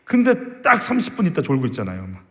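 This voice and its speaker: A man's voice: medium pitch, huge pitch swings, fast talker. A male pastor preaching a sermon in a church sanctuary, emphatic and full of rhetorical questions to the congregation. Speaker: senior pastor. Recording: reverberant church hall.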